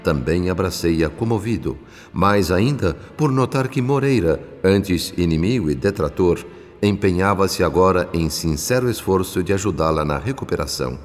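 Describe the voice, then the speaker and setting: An actor playing a solemn, compassionate spirit who narrates a Brazilian radio drama in a grave, measured, literary manner. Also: male voice, sits low, animated, soft background music. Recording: long reverberant hall effect.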